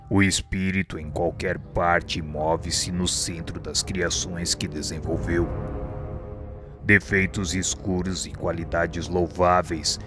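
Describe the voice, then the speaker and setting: A grave, wise Brazilian spirit mentor teaches in a radio drama. His voice is deep and very slow, patient and solemn. Soft music runs underneath. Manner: didactic, solemn, deliberate.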